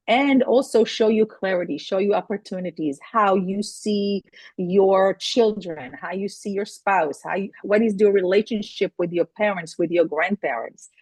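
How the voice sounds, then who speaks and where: A middle-aged woman from Israel talks earnestly as an interview guest, restarting phrases as she goes. Her voice sits low for a woman. The sound is dry and close. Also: a little mellow, dry recording. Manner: earnest, with frequent restarts and non-native phrasing. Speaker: guest, astrology and feng shui consultant. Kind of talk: interview answers.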